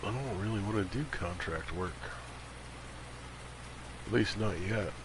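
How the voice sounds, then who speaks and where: Male game streamer, low register, nasally congested with a cold, casual commentary over clearly audible rain noise. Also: measured pace. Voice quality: stuffy nose. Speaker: livestream host. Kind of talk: casual gaming livestream commentary. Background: game rain sound.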